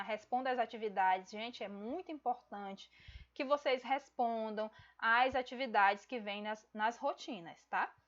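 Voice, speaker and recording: A woman teacher giving a recorded video lesson, speaking slowly and emphatically and addressing her students directly. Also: fairly high pitch, highs cut off.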